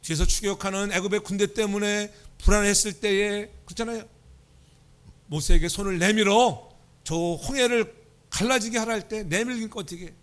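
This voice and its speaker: In a church sanctuary, a pastor preaches a Sunday sermon full of humorous stories, inviting the congregation to respond. His high voice is a bit bright, with fairly even intonation and a moderate pace.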